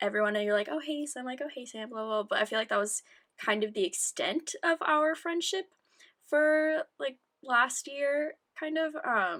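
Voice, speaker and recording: Projecting her voice, a woman with an American accent and high pitch speaks at a moderate pace with lively intonation and a bright, sharp tone, the sound dry and close with no echo. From Seattle area, US Pacific Northwest. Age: 20s. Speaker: podcast co-host, university student. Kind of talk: casual chat.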